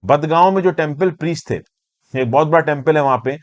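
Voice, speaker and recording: Speaking at a quick pace in a fairly high voice, with the recording's highs cut off, an Indian-accented educator lectures exam students on current affairs. He keeps it conversational and teacherly, weaving in English terms and posing questions throughout.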